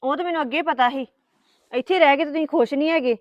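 A woman's voice: sits high, fast talker, no echo, lo-fi sound, lightly acted. An actress playing a stubborn young wife who argues back at her husband in a family drama. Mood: arguing. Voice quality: argumentative, retorting. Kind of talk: Punjabi family drama acting.

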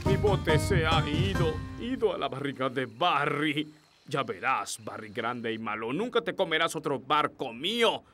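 An indignant cartoon elf sailor, high for a male voice and very animated. He grumbles gloomily and melodramatically over music. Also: unhurried. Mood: indignant, bitter. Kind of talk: animated children's series dub.

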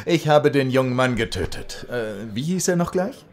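An actor in a German radio play playing a smug, arrogant male vampire with a husky voice. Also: mid-range voice, animated, measured pace, darkish tone, lightly acted. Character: smug male vampire seeking to rule Brooklyn.

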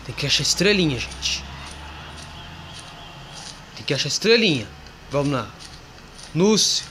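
Playing a horror game, a man casually comments to his viewers and a friend, yelping excitedly whenever something jumps out. His voice sits on the high side and moves at a measured pace, with a slight hiss or hum in the recording.

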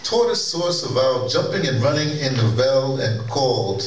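A middle-aged man narrates a stage audio drama as a storyteller. His pitch is average. He sounds a little away from the mic in an echoing hall with clear noise. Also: lively intonation, normal speed. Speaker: narrator and presenter. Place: large wood-panelled conference hall, indoors. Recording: distant, echoey hall, clear background noise.

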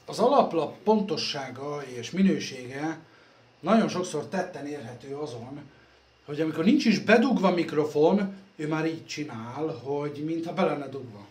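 A computer repair vlogger with a fairly high, expressive voice chats casually while working on computers in his workshop, recorded on a phone camera. He rambles and pokes fun at himself, trailing off softly at the ends of phrases, in an echoey room with faint ambience.

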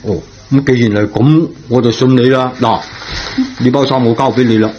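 A man playing a kindly, fretful older school servant in a radio drama, with a husky voice. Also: medium pitch, moderate pace, darkish tone, a little hiss or hum, lightly acted. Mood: agreeable. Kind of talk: Cantonese radio drama acting. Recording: dull, lo-fi old radio recording.

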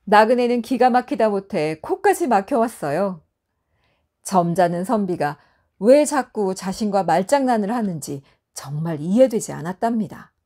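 A woman narrating a traditional folktale for an audiobook in a gentle storytelling manner. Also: mid-range voice, expressive, moderate pace.

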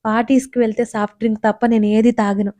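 Storybook heroine: woman reading a stubborn young woman who talks back, bright-pitched but warm. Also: level tone, close to an everyday voice. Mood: defiant. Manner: quick-tempered, defiant.

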